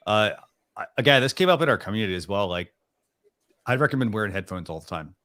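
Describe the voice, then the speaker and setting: A man's voice: on the low side, animated, quick pace, a bit bright, dry recording. A man co-hosting a live stream, chatting casually in a rambling way with lots of restarts. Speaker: co-host of a live stream show.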